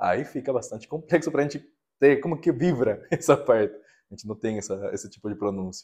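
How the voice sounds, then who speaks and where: Talking at a fairly quick pace, a man with a medium pitch uses lively intonation and big swings in loudness. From Peru, Arequipa (south). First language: Spanish (speaking Portuguese). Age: 20s. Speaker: podcast guest, Peruvian living in Brazil. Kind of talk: casual interview chat.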